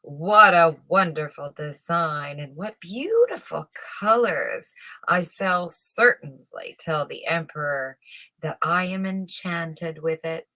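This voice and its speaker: A woman reading a storybook as a flustered old male chamberlain, anxious to please, exclaiming and gushing in drawn-out words. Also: lowish voice, animated, pushed and bright, full character voice.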